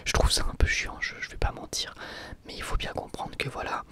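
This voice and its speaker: A young adult host, whispering casual, hesitant answers to viewer questions into a close microphone for an ASMR video. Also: fairly quick. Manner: soft steady whisper, casual and hesitant with many fillers.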